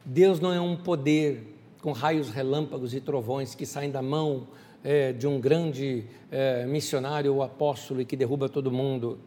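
A man preaching a sermon as a pastor, animated and speaking straight to his listeners. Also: mid-range voice, moderate pace, in a large hall.

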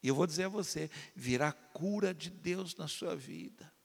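Guy pastor preaching, kinda high voice, gets loud then goes quiet, big echoey church. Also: normal speed, gravelly. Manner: swings from loud impassioned pleas to low quiet asides. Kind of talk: sermon.

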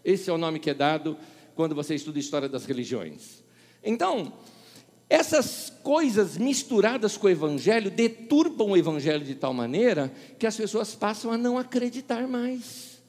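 Lively São Paulo pastor preaching. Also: male voice, sits high, moderate pace, big-room sound. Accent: Paulistano Brazilian Portuguese. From São Paulo, Brazil. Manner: storytelling, acting out dialogue with lively shifts. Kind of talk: sermon.

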